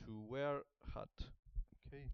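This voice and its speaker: Man, hesitant, repeats himself, smooth voice, muffled dry recording. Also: medium pitch, fairly even intonation, unhurried, no echo. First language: German. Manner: hesitant, repeats words while working them out; soft self-conscious laughs. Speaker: language learner. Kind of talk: thinking-aloud study session. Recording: slightly muffled dry sound.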